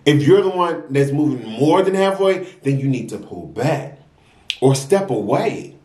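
The voice is a young American man with an average-pitched delivery, recorded in a roomy, echoing space. He chats casually to camera like a mukbang host. His advice comes out emphatic and a little preachy, leaning on repetition. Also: very animated, unhurried, warm tone. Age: young adult. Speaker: mukbang vlogger. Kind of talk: casual advice talk to camera while eating. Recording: roomy echo.

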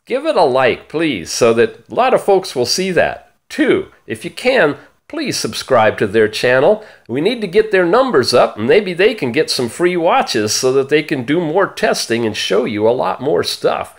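A man's voice: a little high, sing-song, a little slow. A man hosting an upbeat gadget news video, talking theatrically and drawing out key words for emphasis. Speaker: host of a smartwatch review channel. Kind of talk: upbeat product-news presentation to camera.

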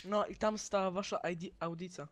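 A man's voice: high voice, steady tone, fairly quick, slight background noise. A man arguing curtly in a heated voice chat, swearing and brushing others off. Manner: curt, swearing, dismissive.

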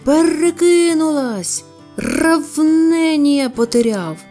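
A woman's voice: medium pitch, normal speed, a little mellow, faint music behind, close to an everyday voice. A woman voicing a tipsy, clumsy middle-aged male hunting buddy who blusters and slurs, in a storybook reading. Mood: panicked.

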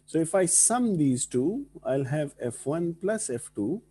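Giving an engineering lecture, a man with a South Asian accent works at the board, blends Hindi-Urdu phrases into his English, and often asks students short questions to check they follow. His voice is fairly high and warm, slightly rough, a little slow, with big swings in pitch.

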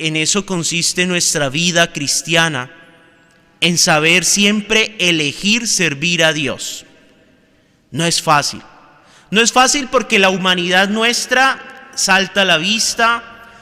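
A man, a priest, reading the gospel at Mass and then preaching a homily in slow, measured phrases with pauses, recorded in a large church. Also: high voice, pushed and bright. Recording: long church reverb.

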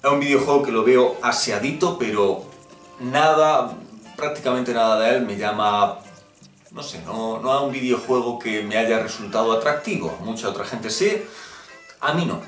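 A man's voice: mid-range voice, far from the mic, soft background music. Sarcastic Spanish man in an echoey room. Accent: Spanish from Spain. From Spain. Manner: mock-outraged, sarcastic, many drawn-out hums. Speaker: gaming vlogger. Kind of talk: satirical gaming news rant.

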